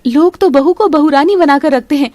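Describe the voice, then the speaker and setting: A woman voicing a patient young daughter-in-law in an animated story, talking in a polite, earnest way. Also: sits high, moderate pace, no room sound, voice pushed up, lightly acted. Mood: upset.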